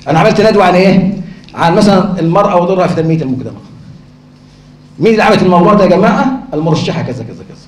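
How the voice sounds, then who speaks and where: A man's voice: high-pitched, expressive, rapid-fire. A man with an Egyptian accent giving a conference lecture, who keeps asking rhetorical questions and answering them himself. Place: lecture hall. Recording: echoey hall.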